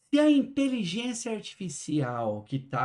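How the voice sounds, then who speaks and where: Somewhat breathy and dark, mellow in tone, a man speaks very slowly with lively intonation. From Minas Gerais, Brazil. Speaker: podcast host. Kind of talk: podcast interview.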